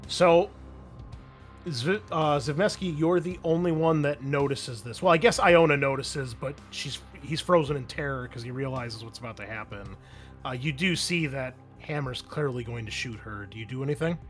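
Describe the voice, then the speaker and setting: A man's voice: mid-range voice, moderate pace. A man acting as game master, narrating scenes and calling for rolls in a tabletop roleplaying game. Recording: faint music behind the voice. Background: music.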